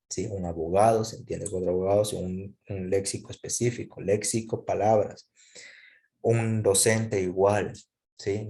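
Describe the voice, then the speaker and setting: Low, mellow-voiced man giving a lecture. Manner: explanatory, checks in with repeated "¿sí?". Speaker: teacher. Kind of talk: classroom lecture.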